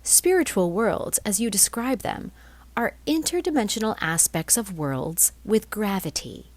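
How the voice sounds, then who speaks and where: A woman reading a spiritual text aloud as scripted narration, in measured phrases with deliberate pauses. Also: medium pitch, animated, no echo. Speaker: reader of a spiritual blog.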